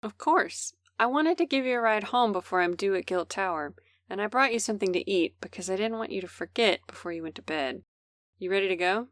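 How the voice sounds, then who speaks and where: A woman's voice: mid-range voice, expressive, fairly quick, no room sound, lightly acted. A woman playing a poised, courteous, faintly condescending character with formal, polished speech in an audio drama. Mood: affectionate. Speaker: voice actor.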